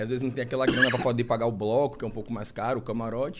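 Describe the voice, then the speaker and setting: A man speaks over noticeable background noise. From Bahia, Salvador. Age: 20s. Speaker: reality TV contestant. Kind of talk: casual interview.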